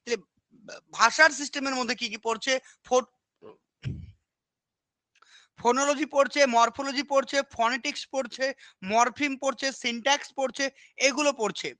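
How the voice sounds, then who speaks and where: A woman's voice: high-pitched, fairly even intonation, a little fast, a bit bright, no echo. A woman teaching an exam-prep lesson, repeating key terms and quizzing students with questions. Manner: repetitive, quizzing, asks "understood?" often.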